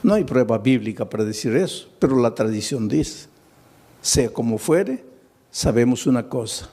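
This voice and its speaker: Dark-voiced man preaching a sermon. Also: mid-range voice, animated, moderate pace. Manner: dramatic storytelling, acting out biblical dialogue; asks the audience rhetorical questions.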